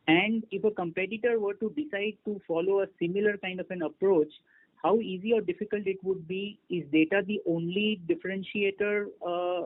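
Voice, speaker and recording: A man, an analyst, politely asks questions on an earnings call in hesitant, piecemeal phrases. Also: sits high. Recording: narrow phone line.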